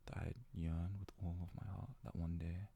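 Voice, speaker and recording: A man playing a devoted, self-loathing yandere fox-boy servant in an intimate ASMR roleplay, hesitant and deferential, with a soft, breathy, gravelly delivery. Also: deep voice, level tone, normal speed, heavily acted. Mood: timid yearning.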